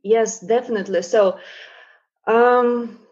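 A Russian-born woman in her thirties, a painter whose first language is Russian, chats as a guest in a casual interview. Her voice sits on the high side with fairly even intonation and a slightly mellow quality, and she speaks slowly, hesitating with many fillers. The recording sounds muffled.

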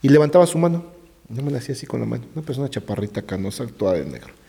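Gravelly fast-talking Mexican man. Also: expressive. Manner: vivid storyteller who sinks into hushed low tones. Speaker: gravedigger guest. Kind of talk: animated ghost-story telling in conversation. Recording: roomy reverb.

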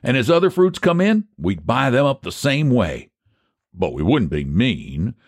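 A man's voice: medium pitch, very animated, unhurried, dry recording, studio quality, pitched above the performer's own voice. A man voicing a scheming, homespun rural American pie baker, folksy and persuasive, in a storybook reading. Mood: triumphant.

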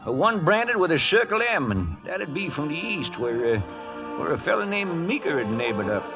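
An actor playing a crusty, loyal old cowhand in a radio western, with a folksy American Western drawl and mumbling, toothless speech. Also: male voice, a little high, big pitch swings, moderate pace. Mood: folksy reminiscing. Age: older. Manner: folksy, rustic, cantankerous. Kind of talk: 1940s radio western acting. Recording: dull vintage radio recording, faint music.

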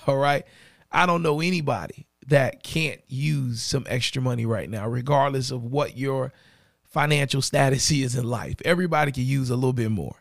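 A man with a raspy voice and a dry throat, hosting a podcast and speaking earnestly and directly to the listener. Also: mid-range voice, no echo. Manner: earnest, repeats key phrases, addresses listener directly. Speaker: podcast host. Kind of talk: motivational podcast monologue.

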